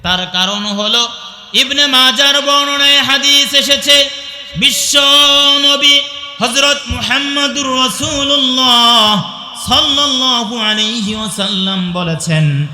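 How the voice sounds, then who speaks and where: Soft music plays behind this Bangladeshi Bengali-accented man as he delivers a waz sermon, his high voice piercingly bright. Slow singsong chanting of Arabic verses gives way to preaching that calls out ever more strongly to the crowd, every phrase echoing in a big hall's lingering reverb.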